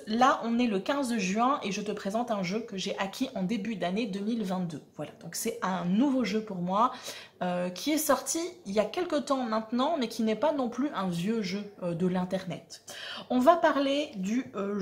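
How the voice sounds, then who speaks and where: A woman's voice: medium pitch, animated, normal speed. A woman, hosting a tarot channel and presenting a deck in a chatty, self-mocking way with many fillers. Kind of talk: casual presentation to camera.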